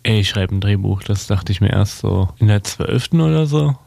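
A man's voice: lowish voice, lively intonation, normal speed, gravelly, a little mellow, no echo. A man co-hosting a casual radio talk show, hesitant and full of fillers, using loose slang. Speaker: radio co-host. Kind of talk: casual radio chat about literature.

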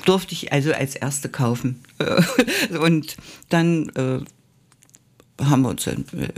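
An older woman from East Germany, a former Russian teacher, recalling her past slowly and with many hesitations in an interview. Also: deep voice, big pitch swings, darkish tone. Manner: slow and reminiscent, with frequent hesitations. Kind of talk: oral history interview.

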